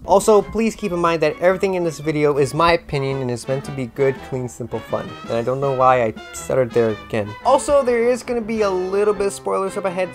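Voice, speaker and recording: A young man talks to camera as a comedic YouTube host. His pitch jumps around a lot, with exaggerated, mock-dramatic asides. Soft music plays faintly behind him. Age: young adult. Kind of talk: comedic scripted commentary to camera. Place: indoor room with bare wall.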